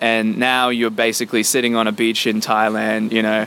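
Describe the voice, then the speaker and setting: Noticeable background noise sits behind the speaker. He is a man of medium pitch talking at a moderate pace. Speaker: podcast host. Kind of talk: casual interview chat. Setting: outdoors at a beach bar. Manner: casual, friendly.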